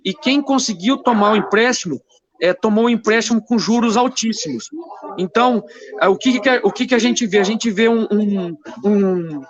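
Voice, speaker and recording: A Brazilian man, a shop owner calling in to an interview, speaking haltingly and repeating words over a phone line that keeps breaking up. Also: high voice, a crowd in the background.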